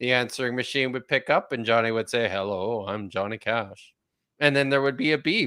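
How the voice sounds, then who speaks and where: The speaker has a Canadian accent and talks at a moderate pace. Pitch varies in an ordinary way. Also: man. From Canada. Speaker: Bible scholar. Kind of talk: casual chat. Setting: live stream. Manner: halting.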